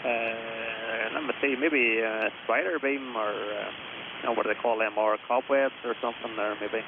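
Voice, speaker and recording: A man with a Northern Irish accent chatting casually and haltingly as an amateur radio operator over a shortwave link. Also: medium pitch, steady tone, narrow, tinny audio. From Northern Ireland. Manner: halting, repetitive, tags phrases with "so you are". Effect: shortwave radio transmission. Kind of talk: casual ham radio contact chat. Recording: thin, band-limited radio signal with loud hiss.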